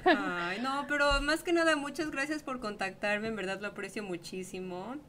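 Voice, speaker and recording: A woman's voice: fairly high pitch, moderate pace, sharp tone, slight background noise. Woman, young adult, interview host, chatty, laughing, headset mic, home room. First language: Spanish. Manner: chatty, laughs often, many fillers like "¿no?". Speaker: streamer hosting an interview. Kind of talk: casual interview on a livestream.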